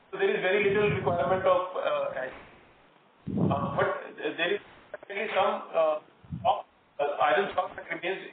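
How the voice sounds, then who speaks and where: A man with an Indian accent, a company executive answering investor questions on a conference call in a halting way, often repeating words. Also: sits high. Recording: tinny phone line, roomy echo, distant, noisy.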